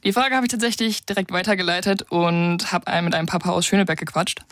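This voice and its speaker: A woman's voice: fairly low pitch, fairly even intonation, a bit bright, a little hiss or hum. A young woman reporting on air as a radio intern, using fillers as she talks. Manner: quick, with "ähm" fillers.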